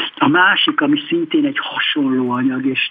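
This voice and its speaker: A man talks at a fairly slow pace. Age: 60s. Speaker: photojournalist. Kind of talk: interview.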